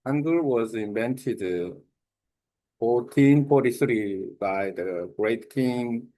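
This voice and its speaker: A man with a Korean accent, a native Korean speaker, giving an informal spoken lesson on language learning, halting with many fillers and restarts. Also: on the low side, a little mellow, rough recording. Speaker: language exchange host.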